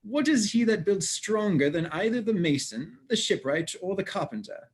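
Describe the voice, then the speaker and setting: A man's voice: high voice, big pitch swings, moderate pace, breathy edge, full character voice. A man playing a cheerful, blunt, teasing gravedigger in a theatrical Shakespeare reading. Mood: teasing, cocky. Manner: theatrical, teasing, mock-argumentative.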